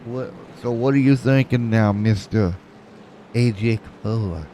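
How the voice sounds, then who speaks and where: A man's voice: mid-range voice, measured pace, dark tone, slight background noise, rough recording. A man calling an esports race, with jokes and rambling play-by-play. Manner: joking, rambling play-by-play with fillers. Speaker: race commentator.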